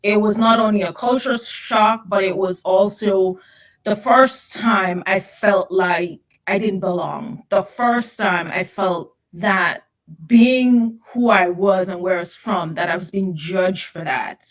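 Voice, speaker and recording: Woman guest from Guyana, mid-pitched, reflective storyteller who leans on "you know", unhurried interview talk. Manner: thoughtful, steady, personal anecdotes with frequent "you know" and "right?". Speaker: podcast guest.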